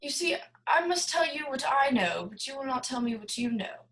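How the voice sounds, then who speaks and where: Radio play villain, female actor: genial, long-winded criminal mastermind, orotund and theatrical, a little high in pitch. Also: animated, normal speed, a bit bright, a little hiss or hum, poor audio. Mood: genially evasive. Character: jovial, wordy, scheming fat male crime boss. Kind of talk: film noir radio play acting.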